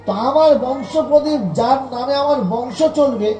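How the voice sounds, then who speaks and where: A man's voice: very high voice, moderate pace, a little mellow, roomy sound, poor audio. A man preaching an Islamic sermon, telling a family story with acted dialogue and firing rhetorical questions at the listeners.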